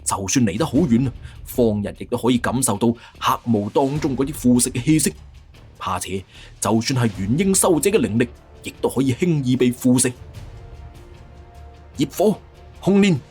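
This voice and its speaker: A man's voice: medium pitch, expressive, normal speed, pauses often, a little mellow, husky, faint music behind. A man with a Cantonese accent narrating a fantasy novel in a dramatic, scripted audiobook style.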